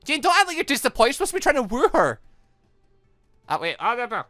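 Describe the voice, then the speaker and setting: Woman doing lets play commentary, bright forceful voice, excitable, faint music behind. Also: a little high, quick pace, no room sound, studio quality. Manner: animated, exclaiming reactions. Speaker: let's play host. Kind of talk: excitable video game commentary, reading dialogue aloud.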